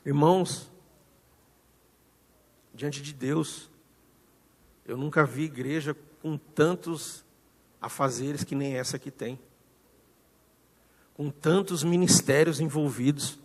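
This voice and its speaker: Gravelly Brazilian pastor preaching in a hall. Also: male voice, fairly high pitch, slow, pauses often. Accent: Brazilian Portuguese. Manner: storytelling, acts out dialogue with shifting loudness. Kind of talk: sermon. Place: church hall.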